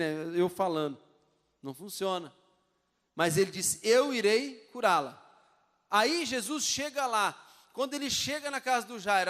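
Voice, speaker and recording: A man's voice: high-pitched, fairly bright tone. A male pastor preaching a sermon, emphatic and full of rhetorical questions to the congregation, recorded in a church. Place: church sanctuary. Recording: long church reverb.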